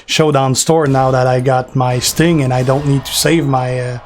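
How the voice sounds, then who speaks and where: French guy in his 40s streaming, chill rambly chat w/ viewers, middle pitch, bit of faint noise. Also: normal speed. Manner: relaxed, rambling, answers chat by name, fillers. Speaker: gaming streamer. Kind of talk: casual live-stream chat.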